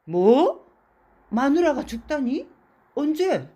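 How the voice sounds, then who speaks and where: An exasperated middle-aged drinking friend, scolding his drunk companion, as a woman reads him. His lines swing in pitch, lively and incredulous, in a spoken storybook. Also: slow, exaggerated voice. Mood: baffled scolding.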